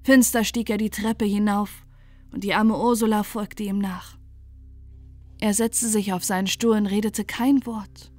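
Calm woman reading a bedtime fairy tale. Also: medium pitch, unhurried, no room sound, faint music behind. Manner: calm, gentle, soothing. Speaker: storyteller.

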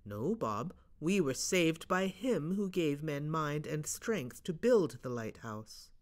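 Woman doing a gentle, questioning storybook boy. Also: a little high, expressive, slow pace, smooth, voice pushed up. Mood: wondering. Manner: short questioning replies.

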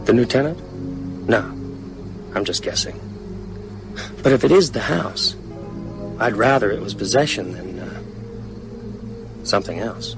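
A man's voice: lowish voice, lively intonation, unhurried, gravelly, pauses often, over music. An actor playing a brooding, reserved widowed man in an understated, hesitant way in a radio drama. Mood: uneasy.

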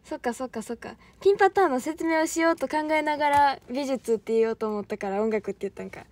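A young woman with a Kansai accent chats fast on a livestream as an idol trainee, rambling, laughing often, and thanking her viewers. Her voice sits high but has a darkish tone.

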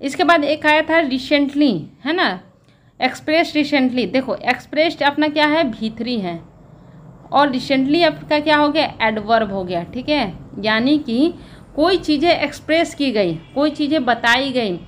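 High-voiced woman teacher. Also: animated, a little slow, a little hiss or hum. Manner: explains words plainly, often asks and answers herself. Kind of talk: editorial analysis lesson.

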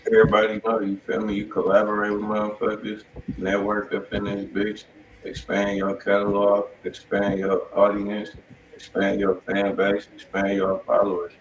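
A low-pitched American man banters in loose slang as a livestream co-host. He sounds set back from the mic in an echoey room. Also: monotone, normal speed. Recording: roomy, distant mic, faint noise.

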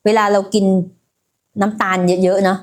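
She speaks at a moderate pace in a mid-range voice that barely moves in pitch. As host of a casual health livestream, this woman chats along, uses many fillers, and talks straight to her audience.

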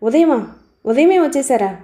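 A woman reads the part of an infatuated young student, eager and pleading, in a mellow, fairly high voice. He pours out his devotion in an audiobook-novel scene. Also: animated, moderate pace. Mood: earnest.

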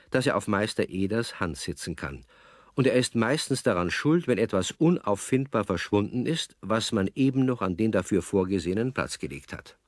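A man's voice: fairly low pitch, dry recording, studio quality. A man narrating a children's audio play as a scripted story, speaking straight to young listeners. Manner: addresses young listeners with questions.

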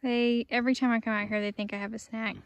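A young woman vlogging as she does farm chores outdoors, chatting casually with the camera and softly cooing at the animals. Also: fairly high pitch, level tone, quick pace, no room sound. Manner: chatty, talks to the animals in a soft baby voice. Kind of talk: casual chat. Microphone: phone camera, often held at arm's length. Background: farm animals and outdoor ambience.

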